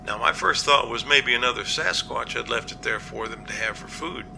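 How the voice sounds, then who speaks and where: A man playing an earnest, cautious captain in an amateur audio drama, reporting in a measured, matter-of-fact way. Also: medium pitch, creaky, pushed and bright, a little hiss or hum. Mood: puzzled. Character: male captain, earnest, practical, cautious, plain-spoken.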